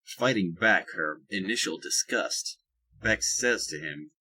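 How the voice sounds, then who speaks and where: A man with a husky voice reading scripted audio drama narration, with wry asides. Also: sits low, lively intonation, slow pace, bright, forceful tone, rough recording.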